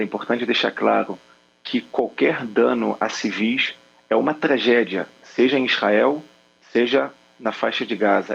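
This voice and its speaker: A man's voice: fairly low pitch, creaky, highs cut off. A man in his forties with a Rio de Janeiro Brazilian accent, a military spokesman answering earnestly on a video call, with frequent hesitation fillers. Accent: Rio de Janeiro Brazilian Portuguese. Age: 40s. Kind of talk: remote interview answers.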